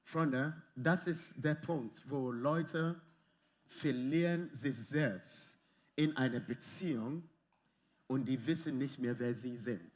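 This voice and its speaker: A man preaching a sermon in lively, slightly non-native German with English phrases mixed in. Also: medium pitch, takes it slowly. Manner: animated, lively, often acts out quoted arguments. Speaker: pastor.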